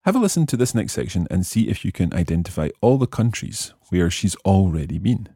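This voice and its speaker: Deep, mellow male language teacher. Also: big pitch swings, normal speed, slightly rough, dry recording, studio quality. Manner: explanatory, repeating phrases for learners. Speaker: language lesson host. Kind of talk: scripted teaching narration.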